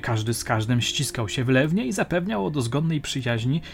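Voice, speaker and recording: A man narrating a crime audiobook in a measured, dramatic storytelling manner. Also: medium pitch, animated, creaky, slight background noise. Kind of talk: audiobook reading.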